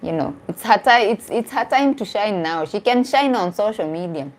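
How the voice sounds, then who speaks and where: A woman's voice: mid-range voice, expressive, moderate pace. This is a woman, speaking as a dating coach on a casual live stream. She talks earnestly to her viewers, reacts to their comments and often restarts or repeats a phrase to stress her point. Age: 40s.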